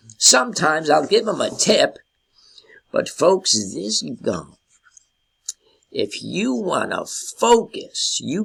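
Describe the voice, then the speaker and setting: Speaking at a very slow pace with long, frequent pauses, a man talks in an American accent. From New York area. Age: 60s. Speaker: online marketing vlogger. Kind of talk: sales pitch. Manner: animated.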